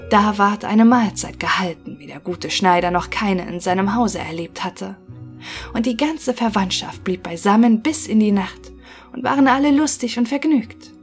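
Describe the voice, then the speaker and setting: A woman reads an old fairy tale aloud in a calm, measured voice at a middling pitch. Soft music plays quietly behind her narration. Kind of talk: fairy-tale audiobook reading.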